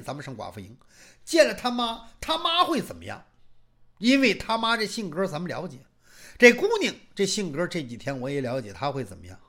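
Lively, gravelly traditional storyteller. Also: medium pitch. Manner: animated, asks the audience rhetorical questions.

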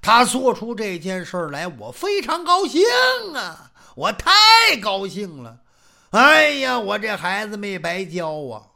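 A man's voice: high-pitched, sing-song, a little slow, vocal fry, pushed and bright, full character voice. A man voicing a feisty 94-year-old male Taoist doctor who boasts proudly and talks back defiantly. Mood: proud boasting.

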